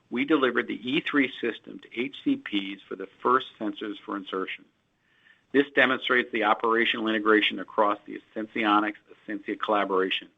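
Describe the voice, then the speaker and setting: A man, a company executive, reading prepared earnings call remarks in a steady, formal way with occasional slips, heard over dull lo-fi conference call audio. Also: lowish voice, vocal fry.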